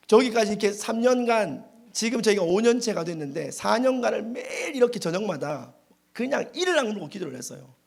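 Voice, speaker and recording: A male pastor delivers a revival sermon in a church. His voice sits high with a gravelly edge and leaps up and down as he acts out his stories. The telling is animated and dramatic. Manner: animated storytelling with dramatic acted quotes.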